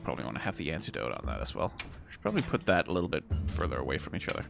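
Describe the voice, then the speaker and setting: A man's voice: very deep voice, sing-song, very fast, vocal fry, music in the background. A man doing casual video game commentary as he plays, musing aloud and trailing off as he reads. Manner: musing aloud, trails off reading on-screen text. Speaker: streamer playing a video game.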